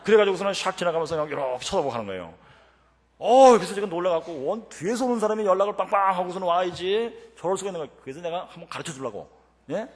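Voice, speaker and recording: A middle-aged man delivers a revival-meeting sermon at a rapid clip. His voice sits fairly high and rings with a long hall reverb. He swings between fervent prayer and lively, chatty storytelling. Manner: animated, switches between fervent shouted prayer and chatty anecdote. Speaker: preacher and professor. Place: church sanctuary.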